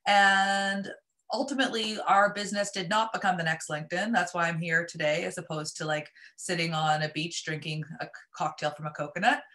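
Bright-voiced woman presenting a workshop. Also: lowish voice, fairly even intonation, fairly quick. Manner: friendly, conversational, with fillers. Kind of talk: online workshop talk. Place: home office, indoors. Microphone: webcam on video call.

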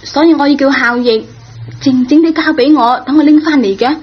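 A woman's voice: sits high, brisk, close to an everyday voice. A woman playing a headstrong schoolgirl daughter in a radio drama, coaxing and insistent. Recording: dull lo-fi radio recording.

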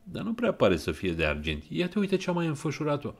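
A man voicing a suspicious, sharp-tongued old woman pawnbroker in an audiobook, asking shrill, prying questions. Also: wildly swooping pitch, gravelly, exaggerated voice.

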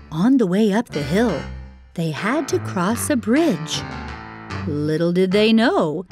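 A woman hosting a children's story, telling it in an animated, playful way. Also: medium pitch.

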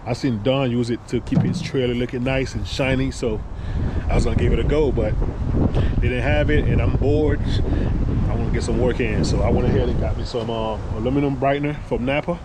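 A man's voice: mid-range voice, steady tone, a little fast. A man vlogging casually while he works outdoors, with a laid-back, colloquial way of thinking aloud. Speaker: pressure washing business owner and vlogger. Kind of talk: casual talk to camera while working. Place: outdoors beside a work truck. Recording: noisy outdoor recording with vehicle ambience.

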